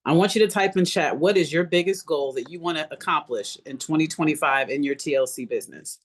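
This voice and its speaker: A woman's voice: sits low, brisk, husky. A woman leading a live motivational online class as a coach, speaking emphatically and repeating phrases to encourage her listeners. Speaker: business coach hosting an online masterclass. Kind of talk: live motivational webinar talk.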